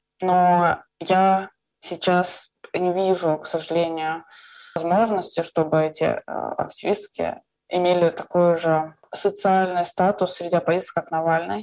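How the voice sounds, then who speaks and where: A woman speaks in a fairly low, flat monotone at a very slow pace. The background is quiet. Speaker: poet and feminist activist. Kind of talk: interview with poetry reading.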